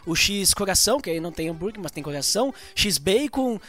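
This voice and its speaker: A man with a Serra Gaúcha accent from southern Brazil talks in a high, light voice. He explains things in an animated way and piles on examples. It is a relaxed, casual chat. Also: a little fast. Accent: Rio Grande do Sul (Serra Gaúcha). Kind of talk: casual chat about regional slang.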